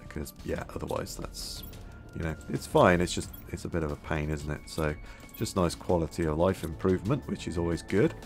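A man musing aloud as he plays a game, his voice a little hoarse, with many fillers. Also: deep voice, animated, fairly quick, few pauses, soft background music. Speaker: gameplay video host. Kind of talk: casual gameplay commentary.

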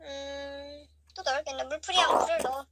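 A woman's voice: high voice, steady tone, fairly quick, a loud crowd. A teenage girl chatting casually as a friend on a speakerphone call. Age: teens, about sixteen. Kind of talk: casual phone chat. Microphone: phone on speaker, picked up by the camera.

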